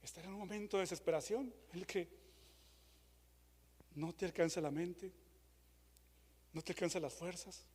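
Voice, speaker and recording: A man preaching a dramatic sermon, moving from loud re-enacted shouts to hushed questions. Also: sits high, normal speed, pauses often, slightly rough. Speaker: pastor. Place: church hall. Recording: long church hall reverb.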